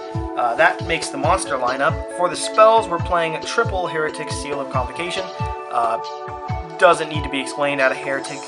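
Fairly quick pace over clear music in the background. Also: man. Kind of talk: casual deck profile talk.

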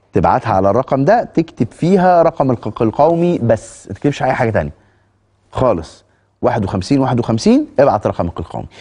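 A man's medium-pitched, dark, mellow voice with vocal fry and very wide pitch swings, at a moderate pace over a quiet background. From Egypt. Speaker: TV presenter. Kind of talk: TV talk show address to viewers. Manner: conversational, repetitive. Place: studio.

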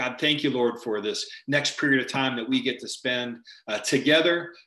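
Bright and sharp in tone, a man speaks at a moderate pace with medium pitch and ordinary pitch variation. The room echo is audible, though the background is quiet. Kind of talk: event hosting with prayer. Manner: animated; repeats words often. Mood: earnest, emotional at times. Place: home room. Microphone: video call.

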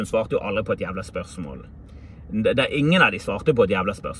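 Fairly quick speech with a dry sound, no echo, and light background noise. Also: man. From Norway. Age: 40s. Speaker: comedian. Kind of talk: casual monologue podcast. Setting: in a car. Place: car. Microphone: handheld.

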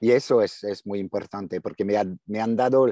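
Fairly low in pitch, with a dark, mellow tone, a man talks at a fairly quick pace with ordinary pitch variation. The sound is dry with no echo over a quiet background. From France. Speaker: voice actor. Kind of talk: interview; interview answer. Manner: halting. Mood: relaxed, friendly. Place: home room. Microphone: video call.

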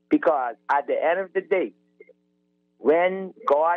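A man speaks with a Bahamian accent at a fairly high pitch. His voice shows ordinary pitch variation. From Bahamas. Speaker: caller. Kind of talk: call-in opinion. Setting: phone call. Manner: animated.

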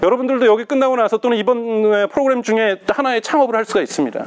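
At a very fast pace, a man speaks with an extremely high pitch and ordinary pitch variation. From South Korea. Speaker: media entrepreneur and lecturer; lecturer. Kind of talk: lecture. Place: hall. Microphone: handheld.

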